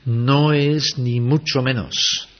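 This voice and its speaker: A man preaching a sermon slowly and deliberately, acting out quotes for emphasis. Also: mid-range voice, steady tone. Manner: slow, deliberate preaching with dramatic acted quotes. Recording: dull lo-fi recording.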